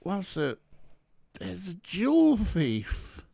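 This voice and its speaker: A worried, deferential hotel manager, played by a man reading aloud. The voice is pitched a little high and moves around a lot, polite and hesitant, in a dry recording. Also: wildly swooping pitch, very slow, gravelly, dark tone, husky, dry recording, heavily acted.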